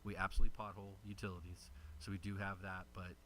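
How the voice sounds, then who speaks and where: A man, a city official, explaining in a halting, unscripted way at a public meeting. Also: deep voice, flat delivery, sharp tone, a little hiss or hum. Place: city council chamber.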